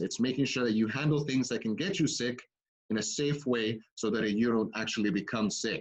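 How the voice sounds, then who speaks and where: With a Spanish accent, the speaker moves at a fairly quick pace, showing ordinary pitch variation and very even loudness. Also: man. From Puerto Rico. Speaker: youth club director and presenter. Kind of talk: online teaching presentation. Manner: frequent fillers (um, uh).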